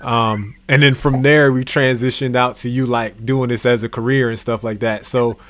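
Informal, joking male interviewer, mid-pitched. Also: fairly even intonation, normal speed, a bit bright. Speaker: podcast host, interviewer. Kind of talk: casual chat.

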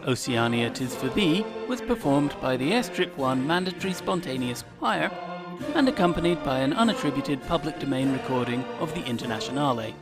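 A man delivers scripted closing credits as an announcer. His pitch moves in a lively way, and loud music plays behind him. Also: a little fast. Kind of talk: scripted end-credits narration.

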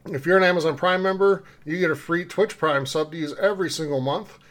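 A man's voice: fairly high pitch, a little fast, fairly bright tone. A man hosting a podcast in a casual, conversational way, speaking informally to co-hosts and listeners. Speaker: podcast host. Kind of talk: casual podcast talk with community announcements.

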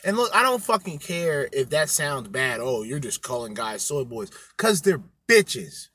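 A man's voice: medium pitch, sing-song, unhurried, fairly bright tone, husky. A man co-hosting a podcast, ranting bluntly with heavy swearing. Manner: profane, blunt, emphatic. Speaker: podcast co-host. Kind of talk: crude ranting commentary.

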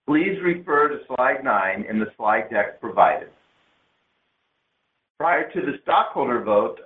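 A man speaking as a company executive, reading scripted corporate remarks in a formal, measured way on a conference call. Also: mid-range voice. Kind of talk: scripted corporate presentation, read aloud. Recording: narrow phone-line sound, roomy echo.

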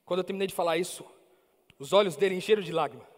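High-voiced Brazilian man preaching in a hall. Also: racing. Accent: Brazilian Portuguese. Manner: animated, acts out dialogue. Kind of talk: sermon storytelling. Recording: reverberant hall, faint music.

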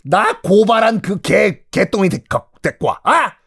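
A scheming, vengeful magistrate, put on by a male storyteller, barks orders at a clerk in a gruff, bossy way. The voice sits a little high and leaps up and down with lively swings. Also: a little slow, no echo, studio quality, heavily acted. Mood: scheming, threatening.

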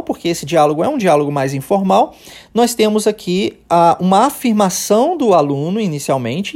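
A man with a Brazilian Portuguese accent teaching English on a podcast, animatedly drilling phrases and repeating them slowly. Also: high-pitched, a little mellow.

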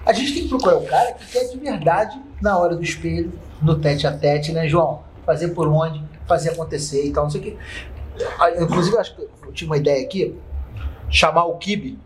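A man with a fairly high voice talking animatedly in a casual podcast chat. He works as a consultant and keeps things jokey, laughing easily. Faint noise sits under his voice. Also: fairly quick, low-quality recording. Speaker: restaurant consultant.

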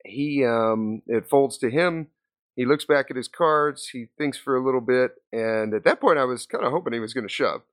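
A man's voice: mid-range voice, moderate pace, fairly bright tone, dry recording, clean studio sound. A man hosting a podcast, casually recounting a poker hand he played, with lots of fillers and restarts. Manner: storytelling with many fillers and restarts. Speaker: podcast host.

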